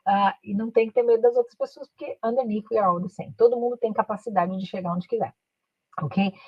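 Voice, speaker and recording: Lady coaching a live stream, breathy voice, bit muffled and dry, tosses in "né" and "ok" all the time. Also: mid-range voice, fairly even intonation, dry recording. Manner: switches between Portuguese and slow English, frequent "né" and "ok" tags. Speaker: career and English coach. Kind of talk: live online talk, mixing Portuguese and English.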